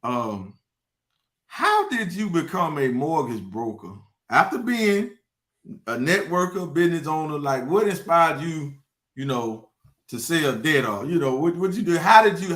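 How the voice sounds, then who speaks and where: A man's voice: a little high, big pitch swings, normal speed, a bit bright. A man hosting a casual interview, reacting a lot and asking loose, rambling questions. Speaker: host. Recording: roomy echo.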